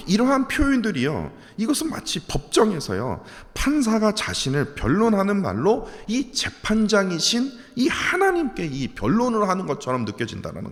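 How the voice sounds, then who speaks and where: A man's voice: fairly high pitch, big-room sound. A man pastor giving an early morning sermon, preaching emphatically with a voice that rises and falls sharply. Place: church sanctuary.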